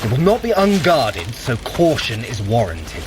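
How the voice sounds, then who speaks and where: An actor playing a sly, haughty trickster god in an audio drama, precise and sardonic. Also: male voice, mid-range voice, wildly swooping pitch, unhurried. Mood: wry, grudging. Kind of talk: dramatic audio fiction acting. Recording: noisy ambience behind.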